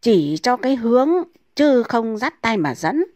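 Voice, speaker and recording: A woman's voice: on the high side, sing-song, measured pace, a little mellow, no room sound. A woman voicing an old retired thief who brushes off his son in a folksy, dismissive way.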